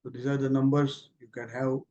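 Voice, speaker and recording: A man's voice: mid-range voice, little pitch movement, a little fast, darkish tone. A man with an Indian accent giving a company results presentation as an executive on a conference call, speaking informally. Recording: muffled, lo-fi conference call audio.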